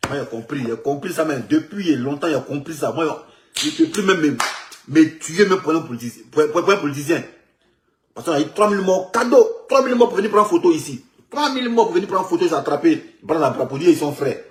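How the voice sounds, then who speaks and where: A man, commenting on politics in an animated, rambling way, with many repetitions and stumbling restarts. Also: fairly high pitch, brisk. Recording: echoey room.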